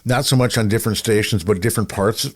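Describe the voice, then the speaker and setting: Low-voiced man chatting as host. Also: fast talker, slightly rough. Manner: chatty, rambling storyteller. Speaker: podcast host, radio veteran. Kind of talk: casual chat, interviewing.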